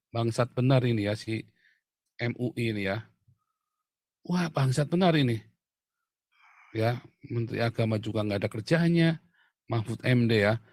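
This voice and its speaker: Ranting, shouting man. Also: mid-range voice, dry recording, clean studio sound. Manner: shouting, insulting, emphatic repetition. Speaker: online commentator. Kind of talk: angry political rant.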